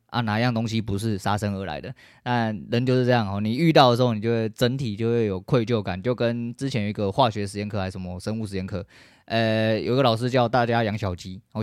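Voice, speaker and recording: A man rattling off a laid-back, swear-heavy solo podcast monologue at a brisk clip. His voice sits at an ordinary middle pitch, recorded close and dry with no room sound. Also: no echo. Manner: rambling, profane, laid-back. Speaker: podcast host. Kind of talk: casual monologue.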